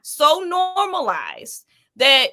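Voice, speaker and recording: A woman's voice: high-pitched, very slow. A woman in her late forties hosting a casual live chat, telling stories in an emphatic, colloquial way. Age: 40s. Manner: animated, emphatic storytelling with colloquial asides. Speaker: podcast host.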